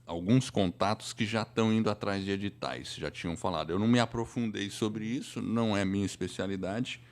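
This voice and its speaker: A man's voice: on the low side, brisk, a little mellow. A Brazilian man hosting a casual podcast interview, chatting and commenting on what his guest says. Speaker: podcast host. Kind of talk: casual live-stream interview.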